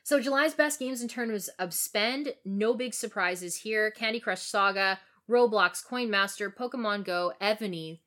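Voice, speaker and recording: A woman co-hosting a podcast, giving the news in casual chat with quick, chatty asides. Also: mid-range voice, sharp tone. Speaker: podcast co-host.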